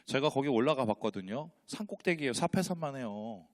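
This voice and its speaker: A man's voice: mid-range voice, lively intonation, a little fast. A man, a pastor, preaching a sermon with rhetorical questions and acted-out dialogue in changing voices. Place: church sanctuary.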